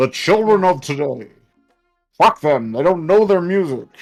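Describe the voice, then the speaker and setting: Using a put-on character voice at a high pitch, a man speaks at a moderate pace with lively intonation. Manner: crotchety, complaining.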